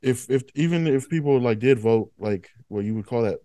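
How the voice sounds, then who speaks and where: A man's voice: mid-range voice, expressive, brisk, dark tone, no room sound. A man with a mid-range voice, recorded dry and close, talking casually on a podcast. His speech is slangy and profane, and he leans hard on his points.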